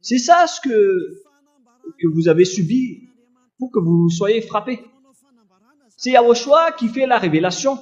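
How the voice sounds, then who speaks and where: High-pitched man preaching loudly, dull recording. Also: big pitch swings, a little slow, long pauses. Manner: loud, forceful preaching; accusatory, admonishing. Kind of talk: fervent sermon with scripture reading.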